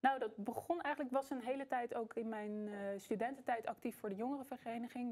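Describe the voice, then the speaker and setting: Her pitch is fairly high. The woman speaks at a very fast pace. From Netherlands, The Hague. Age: 20s. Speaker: politician and biochemist. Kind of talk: interview.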